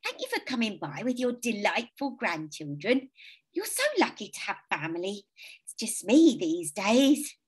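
A woman voicing a lonely, kindly old woman who talks in a gentle, fussy, chatty way. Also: mid-range voice, big pitch swings, unhurried, breathy edge, voice pushed up.

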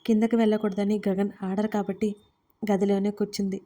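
A woman storyteller reading a romance audio story in a steady, even manner. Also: medium pitch, brisk.

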